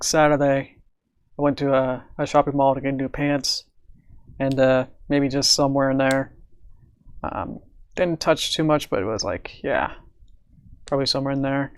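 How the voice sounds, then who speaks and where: A man live-streaming from home at his computer, talking in a rambling, stop-start way with a raspy voice while coming down with a cold. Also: mid-range voice, dry recording. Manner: rambling, with many fillers and stammered restarts. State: coming down with a cold, sore throat. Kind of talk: casual live-stream chat.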